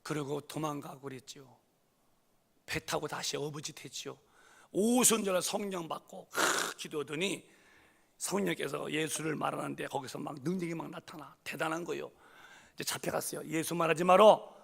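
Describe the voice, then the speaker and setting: A middle-aged man preaching a sermon as pastor, fervent and animated, acting out scenes with loud raised voices. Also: on the high side, moderate pace, creaky, slightly rough. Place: church sanctuary. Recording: long church reverb.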